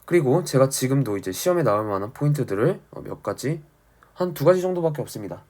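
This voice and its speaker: A man teaching an exam-prep class, his voice husky and a little worn by a sore throat. His pitch rises and falls in a lively way as he drives points home. He explains step by step like a schoolteacher, often checking that listeners are following. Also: fast. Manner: didactic, emphatic, often checks understanding. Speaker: Korean language and literature teacher.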